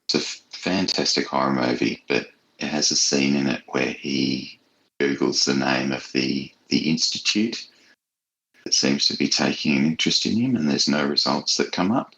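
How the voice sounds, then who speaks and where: Very deep, gravelly-voiced man. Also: sharp tone, low-quality recording. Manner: thoughtful, halting, searches for words. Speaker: horror author being interviewed. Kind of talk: casual, reflective interview talk.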